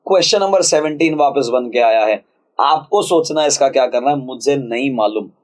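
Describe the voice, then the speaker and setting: A man teaching English grammar for exam prep, reading sentences slowly and explaining them in a casual, chatty way. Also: mid-range voice, expressive, poor audio. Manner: casual, chatty, calls viewers friends and brother.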